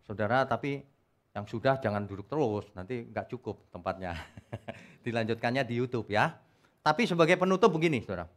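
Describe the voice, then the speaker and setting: A man preaching a sermon at a church service, emphatic and animated, with loud peaks. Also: medium pitch, brisk. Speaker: pastor.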